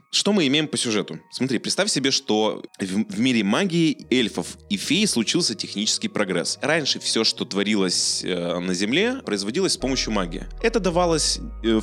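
A man's voice: on the low side, a bit bright. A man hosting a podcast, talking casually and jokily about films, sometimes stumbling over his words. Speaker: podcast host. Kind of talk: casual podcast chat, film review. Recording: music playing under the voice. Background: background music.

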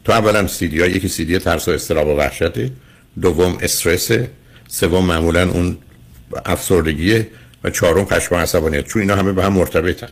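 A man's voice: deep voice, fairly even intonation, creaky. An older man hosting a radio call-in show as a psychologist, lecturing a caller emphatically and repeatedly calling him "dear".

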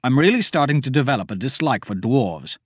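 Man voicing a grumbling thief, curt, gruff, dry close sound. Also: medium pitch, very animated, brisk, no room sound.

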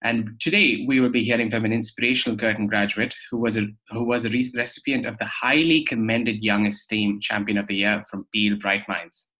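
A man's voice: lowish voice, fairly even intonation, fairly quick, few pauses, pushed and bright, rough recording. A young man from Australia hosting a podcast interview, friendly and a bit hesitant, with fillers and restarts. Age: young adult. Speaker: podcast host. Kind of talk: conversational interview.

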